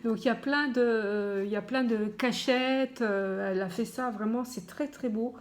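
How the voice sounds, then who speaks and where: Soft-spoken woman unboxing crafts. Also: a little high, normal speed. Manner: soft, admiring, often drops to a hush. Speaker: scrapbooking vlogger. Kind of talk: casual unboxing chat.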